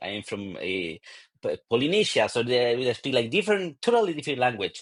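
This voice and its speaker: With a Spanish accent and very wide pitch swings, a man of medium pitch talks at a fairly quick pace against a quiet background. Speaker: psychiatrist and researcher. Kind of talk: podcast interview. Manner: halting, many fillers and repeats.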